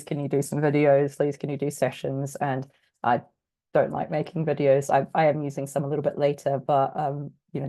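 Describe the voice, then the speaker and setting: Husky, croaky woman leading a workshop. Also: sits low, mellow. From New Zealand. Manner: chatty, self-deprecating, many fillers. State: croaky, recovering from illness. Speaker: workshop presenter. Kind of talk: casual online workshop talk. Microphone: video call.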